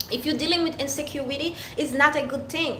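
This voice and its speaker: A high-pitched woman with a strong non-native accent, amid noticeable background noise and audible room echo. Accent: strong foreign. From Haiti. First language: Haitian Creole. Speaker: motivational vlogger. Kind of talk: livestream monologue. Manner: impassioned.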